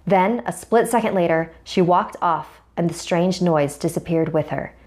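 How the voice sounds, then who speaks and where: A young woman telling a scary first-person story in a measured, suspenseful way, narrating over a music bed. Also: lowish voice, darkish tone.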